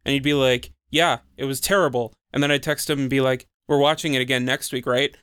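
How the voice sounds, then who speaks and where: A man's voice: mid-range voice, fairly even intonation, a little fast, a bit bright, clean tone, dry recording, studio quality. A young man co-hosting a casual podcast, laid-back and heavy on fillers like "um" and "like". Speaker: podcast co-host.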